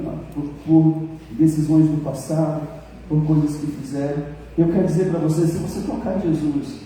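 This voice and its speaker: Brazilian preacher in echoey church. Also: male voice, fairly high pitch, mellow, a little hiss or hum. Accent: Brazilian Portuguese. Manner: emotional storytelling, addresses congregation. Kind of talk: sermon. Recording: echoey church hall, voice from far off.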